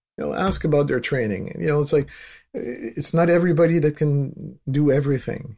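In a very clean recording with a silent background, a man with a somewhat breathy, fairly high-pitched voice speaks with ordinary pitch variation. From Canada. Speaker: clinical hypnotherapist. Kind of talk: interview. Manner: halting.

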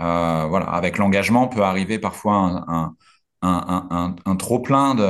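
Over a quiet background, a man with a very deep, low pitch speaks at a very slow pace, with ordinary pitch variation and very even loudness. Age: 40s. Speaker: nonprofit executive. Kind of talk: casual chat. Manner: halting.

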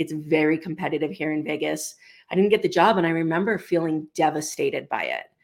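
A woman with fairly low pitch, an ordinary speaking voice and ordinary pitch variation. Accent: American. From US, southern Idaho. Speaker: podcast host, attorney and coach. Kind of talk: casual interview chat.

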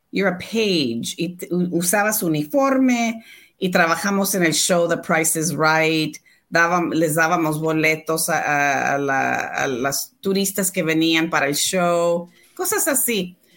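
Very slowly, a woman speaks at a fairly low pitch with lively intonation, captured on a very clean recording against a silent background. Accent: English. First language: English (speaking Spanish). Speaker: events producer. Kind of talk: interview. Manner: halting.

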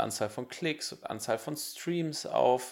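A man speaks at a very slow pace with ordinary pitch variation. The recording is very clean and the background silent. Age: 30s. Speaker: musician and author. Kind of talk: casual chat.

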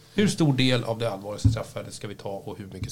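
Somewhat breathy and lively in intonation, a man talks at a very fast pace. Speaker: defense lawyer. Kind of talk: casual chat.

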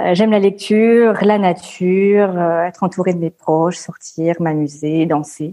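A woman speaks in a normal speaking voice, fairly low in pitch. Her pace is fairly slow and her pitch varies in an ordinary way. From France. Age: 30s. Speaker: podcast guest sharing her layoff experience. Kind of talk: casual interview.

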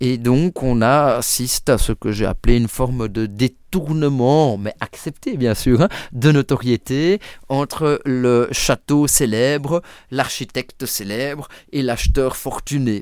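A man's medium-pitched voice at a very slow pace, with ordinary pitch variation, on a very clean recording with a silent background. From Belgium, Brussels (born in Milan). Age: 40s. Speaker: sommelier and wine educator. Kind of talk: interview.

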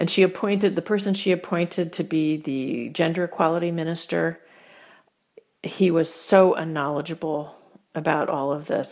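A woman with an American accent talks fairly quickly at a fairly low pitch in an unremarkable speaking voice. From United States, small town. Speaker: law professor and diversity consultant. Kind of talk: interview.

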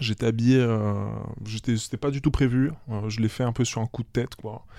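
On a very clean recording with a silent background, a man talks at a fairly slow pace in a dark, mellow tone, his medium pitch held to fairly even intonation. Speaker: surprise guest. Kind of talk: casual chat.

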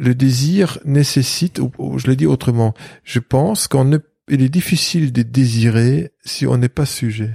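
A man speaks at medium pitch in a dark, mellow, somewhat breathy tone. The sound is dry and close, with no echo. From East Germany. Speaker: sexologist and pastor. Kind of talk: interview conversation.

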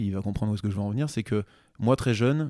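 Recorded very cleanly against a silent background, a man speaks with a fairly low pitch and a dark, mellow tone. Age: 30s. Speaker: podcast guest. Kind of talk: casual chat.

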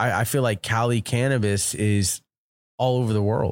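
This man has a plain, everyday voice at a medium pitch. He speaks at a moderate pace with fairly even intonation. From East Coast of Florida, US. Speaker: podcast host, cannabis brand founder. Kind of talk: casual chat. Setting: Airbnb in Amsterdam.

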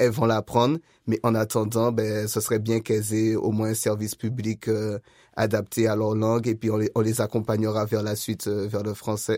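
In a Martinican accent, a man with fairly low pitch speaks at a moderate pace with monotone, flat intonation, the sound dry and close with no echo on a very clean recording with a silent background. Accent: Martinican French accent, kept. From Martinique. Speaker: youth participant. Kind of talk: casual conversation.

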